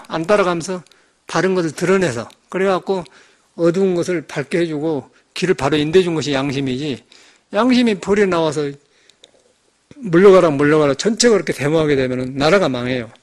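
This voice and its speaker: Fast-talking high-voiced monk. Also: male voice. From Jeolla, South Korea. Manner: rambling, emphatic, conversational. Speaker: Buddhist monk. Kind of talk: dharma talk sermon.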